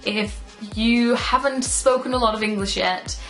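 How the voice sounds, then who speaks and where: Young woman chatting to camera, slightly high voice, bit of music under it. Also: a little slow. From Netherlands. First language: Dutch. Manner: chatty, reflective, lively. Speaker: YouTuber. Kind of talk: casual talk to camera.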